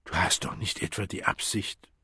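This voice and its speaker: A man voicing an anxious, gossipy young woman who speaks in a hushed, horrified way. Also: mid-range voice, big pitch swings, slow, slightly rough, no echo, studio quality, full character voice.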